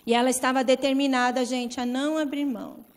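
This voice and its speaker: A woman pastor preaching a sermon with impassioned, dramatic swings in loudness. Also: sits high, steady tone, brisk. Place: large convention center hall. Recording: reverberant convention hall.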